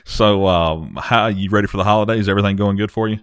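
Very deep voiced guy hosting, chill, lots of um and you know, dry sound. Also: fast, clear, resonant tone, dry recording. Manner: easygoing, filler-heavy questions. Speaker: podcast host. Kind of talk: casual interview.

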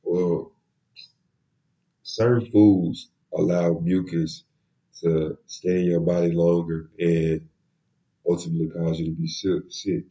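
A young man with a very low, dark voice talks in a loose, rambling way, sprinkling in slang. He sounds nasal and stuffed up from a cold. The audio is a bit dull and muffled. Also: flat delivery, takes it slowly, pauses often. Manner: laid-back, rambling storytelling with slang. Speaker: podcast host. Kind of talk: casual solo podcast talk.

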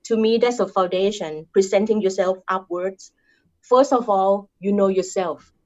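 A woman's voice: mid-range voice, a little slow, darkish tone, lo-fi sound. A woman with a Thai accent, a guest in an interview giving career advice in an earnest way, often ending points with "right?". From Thailand. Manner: earnest, repeats points with tag questions.

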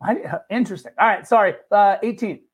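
A man's voice: sits high, fast talker, slightly rough. A man co-hosting a casual sports podcast, wisecracking and teasing his co-host.

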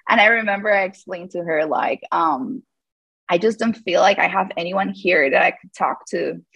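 A woman's voice: lowish voice, normal speed, creaky, a bit bright, slightly rough, dry recording. Hesitant woman in her thirties. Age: 30s. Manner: hesitant, lots of fillers and restarts, laughs often. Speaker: guest, yoga teacher. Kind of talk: casual live-call interview.

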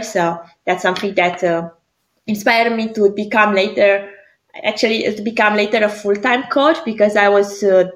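Hesitant Romanian-accented woman coach. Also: medium pitch. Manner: hesitant, many fillers. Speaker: guest, career coach. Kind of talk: interview answers.

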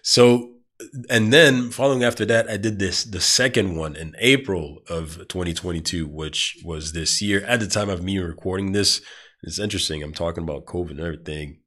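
Very low-voiced congested man. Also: normal speed, fairly bright tone. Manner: rambling, frequent fillers and restarts. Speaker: podcast host. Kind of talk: casual monologue.

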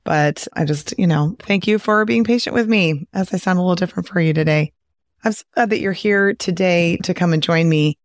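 A woman with a raspy, hoarse voice from a recent virus, hosting a podcast in a chatty, encouraging way with frequent laughs. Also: lowish voice, brisk, no echo, studio quality. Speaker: podcast host and weight loss coach. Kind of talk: casual podcast monologue.

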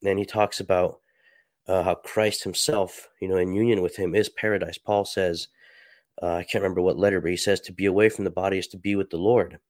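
Low, stuffy-sounding man speaking softly. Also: flat delivery, no echo, clean studio sound. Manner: soft-spoken, halting with many fillers. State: stuffy, a little sick. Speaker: podcast host. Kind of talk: reflective solo talk and reading aloud.

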